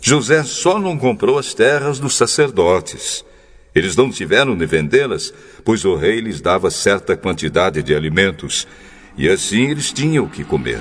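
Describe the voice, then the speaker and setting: Fairly slow speech from a man, with very wide swings in pitch. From Brazil. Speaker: announcer, narrator. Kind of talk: Bible reading.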